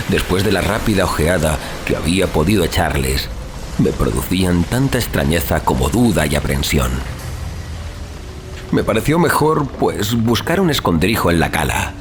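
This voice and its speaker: A deep male voice narrates a gothic horror story over clearly audible music. His delivery is solemn and theatrical, with widely swinging intonation that suits old literary prose. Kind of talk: dramatic scripted audiobook narration of a horror tale. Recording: music under the voice.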